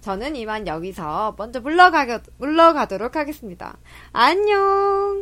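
A woman talks very slowly in a high, bright, sharp voice whose pitch swings very widely. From Jeolla region, South Korea. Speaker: radio host. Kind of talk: casual chat.

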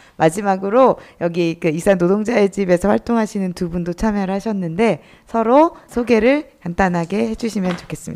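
The woman has a dark, mellow tone and a medium pitch with ordinary pitch variation. She speaks at a moderate pace. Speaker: radio instructor and DJ. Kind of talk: radio show hosting.

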